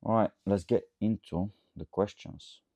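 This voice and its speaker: A Bulgarian man with a Bulgarian accent, a coach and host, answers audience questions in casual, unscripted talk to camera. He rambles a little and keeps checking with "okay?". His voice is lowish, unhurried and dark, with no room sound.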